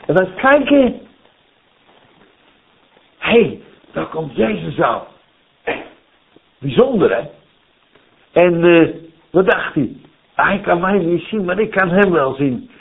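A man preaching a sermon in a folksy storytelling way, often checking in with "hè?", who grew up in the Netherlands. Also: fairly high pitch. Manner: folksy, lively storytelling with many "hè?" asides. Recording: tinny phone-like sound.

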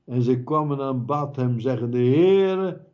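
A man preaching a sermon in a slow, emphatic way, repeating key words for weight. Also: mid-range voice, highs cut off.

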